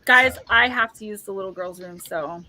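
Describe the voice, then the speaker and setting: A woman's voice: mid-range voice, moderate pace, bright, forceful tone, poor audio. A woman hosting a casual livestream and tarot reading, talking in a chatty, rambling way with lots of "like". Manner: chatty, rambling, heavy use of "like". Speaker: livestream host and tarot reader. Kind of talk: casual live chat.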